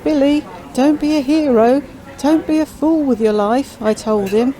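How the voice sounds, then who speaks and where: A woman's voice: high voice, moderate pace, dark tone, voice pushed up, natural voice. A woman voicing a chatty, self-absorbed widowed queen who drawls with grand theatrical emphasis. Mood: gossipy.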